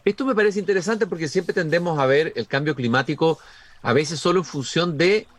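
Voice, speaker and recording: A man hosting an interview, asking slow, reflective, musing questions. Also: fairly high pitch. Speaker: interview host.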